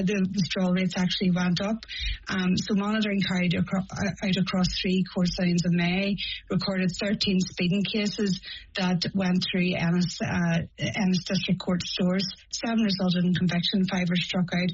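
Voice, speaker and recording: A woman with a Northern Irish accent, a journalist answering interview questions and often pausing and restarting as she sets out court figures. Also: fairly low pitch, breathy edge, lo-fi sound. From Northern Ireland. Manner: hesitant, many pauses and restarts while reporting figures. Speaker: court reporter, journalist guest.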